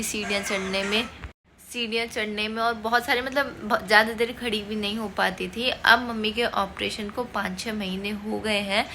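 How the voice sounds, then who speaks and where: A woman's voice: medium pitch, bright, forceful tone, a little hiss or hum. A young woman chatting in a rambling, casual way in a home vlog while nursing a sore throat and a cold. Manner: chatty, rambling, many fillers. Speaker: family vlogger.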